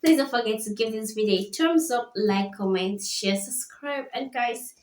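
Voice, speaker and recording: A woman hosting a reaction video, chatting casually and throwing in quick excited interjections and laughs. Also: on the high side. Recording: roomy echo with faint music.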